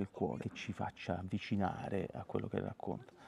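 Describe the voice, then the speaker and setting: There is light background noise as a man speaks at a fairly low pitch with a dark, mellow tone. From Italy, not Sicily. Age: 40s. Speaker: stage actor. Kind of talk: interview. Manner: halting. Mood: calm, reflective. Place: hall. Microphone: lapel.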